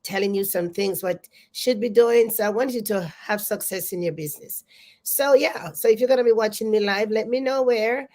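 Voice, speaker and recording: A woman's voice: mid-range voice, moderate pace, warm tone. A congested woman hosts a live stream about business coaching. She talks with lots of energy and speaks straight to her viewers, repeating her greetings and questions.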